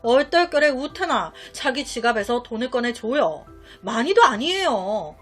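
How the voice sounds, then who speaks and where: A woman's voice: fairly high pitch, big pitch swings, normal speed, faint music behind. A woman telling a crime story in a chatty way, with rhetorical questions and asides on what happens.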